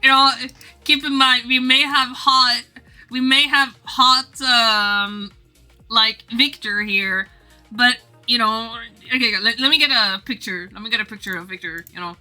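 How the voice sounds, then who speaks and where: A woman with a strikingly bright, forward voice that sits a little high. She rambles casually to a livestream chat, teasing and giggly as she goes. Soft music plays behind her. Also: steady tone, measured pace. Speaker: streamer drawing game art live.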